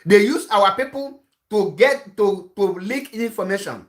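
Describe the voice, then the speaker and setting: A man's voice: high-pitched, expressive, unhurried. Nigerian man, igbo speaker, preaching warnings on an online channel, repeats himself a lot, keeps restarting lines. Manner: insistent, repetitive warnings, frequent restarts. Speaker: activist broadcaster. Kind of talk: impassioned online address.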